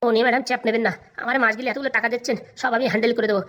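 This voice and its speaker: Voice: mid-range voice, flat delivery, rapid-fire, fairly bright tone, highs cut off, natural voice. A performer voicing a crafty, fawning lawyer in a comedy cartoon, obsequious and reassuring. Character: fawning, crafty lawyer advising his madam.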